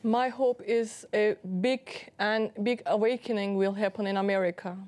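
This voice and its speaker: A woman's voice: medium pitch, steady tone, moderate pace, a little mellow. A woman with a heavy Turkish accent, a guest on a Christian talk show telling her personal testimony in earnest, often laughing as she speaks.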